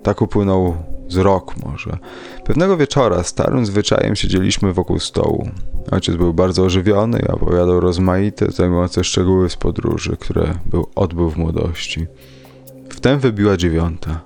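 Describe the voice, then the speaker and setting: Deep, gravelly male horror narrator. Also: darkish tone. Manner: measured, dramatic storytelling. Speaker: podcast reader. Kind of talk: scripted narration of a classic horror story. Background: faint music.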